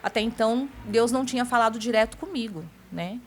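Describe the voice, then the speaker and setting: Woman telling her testimony, high voice. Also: fast talker. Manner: storytelling, tags sentences with "né?"; keeps addressing the listener as pastor. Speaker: church member giving a testimony. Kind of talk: casual spoken testimony.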